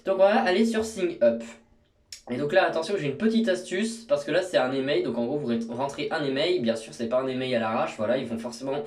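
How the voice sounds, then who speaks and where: A young male YouTuber walks through a screen tutorial casually and ramblingly, with lots of fillers and restarts. He speaks fairly quickly at medium pitch, in an echoey room with the mic at a distance.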